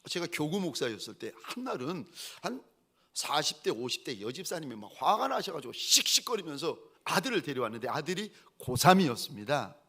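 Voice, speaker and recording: A man preaching a sermon as a pastor, telling stories in an animated way and acting out the people he quotes. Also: fairly high pitch, a little fast, slightly rough.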